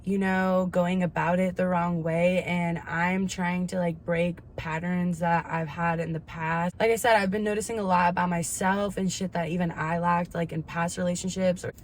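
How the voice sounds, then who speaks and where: A woman's voice: on the low side, level tone, normal speed, few pauses. A woman in her twenties talking candidly in a casual confessional chat, slangy and swearing freely. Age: 20s. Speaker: vlogger. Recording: clear background ambient noise.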